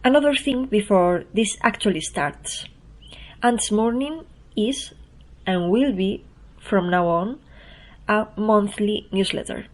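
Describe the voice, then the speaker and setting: Recorded with poor audio, this newsletter writer and podcast host from Spain speaks slowly in a mid-range voice with a Spanish accent, English being her second language. Her casual spoken intro has her reading the newsletter in a soft, chatty, self-deprecating manner, laughing at herself.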